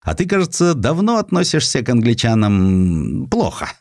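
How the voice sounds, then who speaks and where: A man's voice: mid-range voice, huge pitch swings, moderate pace, darkish tone, no room sound, studio quality. A man playing a familiar, cautioning old godfather in a dramatized audiobook. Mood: warning. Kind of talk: audiobook character acting.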